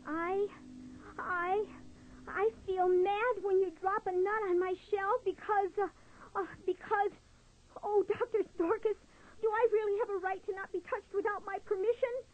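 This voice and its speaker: A woman's voice: very high voice, steady tone, a little slow, voice pushed up. A woman voicing a timid, worried young male turtle who stammers and frets tearfully. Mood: nervous. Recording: dull lo-fi recording.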